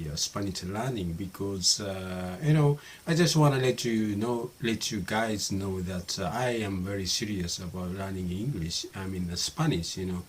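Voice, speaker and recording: Japanese-accented man in his 50s, lowish voice, halting casual vlog talk, faint room ambience. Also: slight background noise. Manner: hesitant, many fillers and restarts. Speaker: YouTuber.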